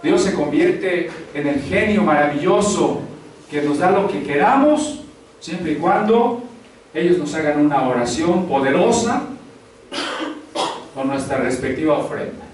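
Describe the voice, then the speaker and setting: Male pastor, sermon, high-ish voice, far from the mic in a very echoey hall. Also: expressive, unhurried, darkish tone, a little hiss or hum. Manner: conversational preaching with rhetorical questions. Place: church hall.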